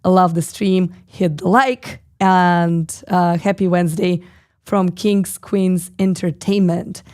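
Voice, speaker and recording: A woman in her thirties hosting a live stream with a hoarse, husky voice, chatting casually and reading viewer comments aloud with lots of fillers. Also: lowish voice, steady tone, takes it slowly, a little mellow. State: hoarse, lost voice.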